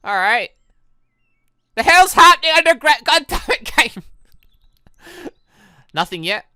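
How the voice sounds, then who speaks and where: A young adult gaming host giving excitable, exasperated let's play commentary while reading visual novel dialogue aloud. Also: sits high, takes it slowly, no room sound, studio quality. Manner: excitable, exasperated reactions between read lines.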